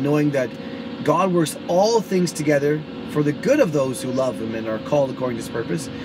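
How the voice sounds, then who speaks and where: A man's voice at a moderate pace with lively intonation, over noticeable background noise. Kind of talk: casual vlog chat with religious message. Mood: warm, earnest. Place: car. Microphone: phone near.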